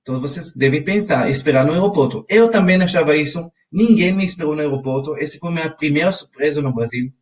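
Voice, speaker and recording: A man's voice: fairly high pitch, fast talker, hardly any pauses, distant mic. Israeli-accented man teaching a webinar. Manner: talks straight to his audience, often checking in with "ok?". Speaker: financial educator. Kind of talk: live webinar lesson.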